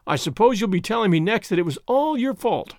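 A man plays an intense young man in a dramatised story, stern and jealous. His delivery is urgent and imperative, with a raised, very animated pitch. The sound is dry and close. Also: moderate pace, dry recording. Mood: angry, sarcastic. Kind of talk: dramatised audiobook story reading.

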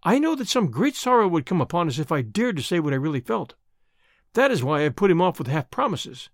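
A man's voice: a little high, very animated, brisk, no echo, clean studio sound. A man voicing a distraught, tender young woman who pleads fearfully and devotedly in an audiobook. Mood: fearful, pleading. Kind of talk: audiobook character acting.

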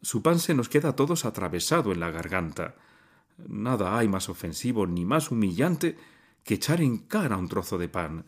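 A man's voice: lowish voice, very animated, moderate pace. A man reading aloud and voicing an angry young male student who confronts his father in heated, impassioned outbursts. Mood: indignant.

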